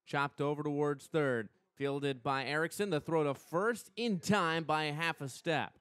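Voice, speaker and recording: A young American man doing live radio play-by-play commentary of a softball game as the announcer. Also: a little high, smooth, no echo. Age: young adult. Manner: measured between plays, excited on big plays.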